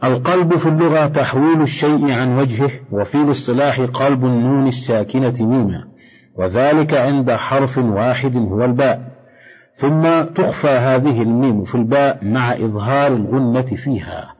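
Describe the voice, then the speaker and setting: A man teaching recitation rules in a measured, explanatory way, slowing down to chant example phrases. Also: medium pitch, slightly rough. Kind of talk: instructional lecture on tajweed rules. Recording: dull lo-fi recording in a long-echo hall.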